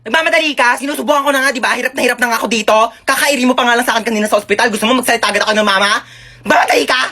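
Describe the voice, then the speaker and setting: A woman's voice: fairly high pitch, very fast, bright, forceful tone. A woman playing a sassy newborn baby girl who talks back like an adult, with sarcastic, exasperated complaints in a comedy skit.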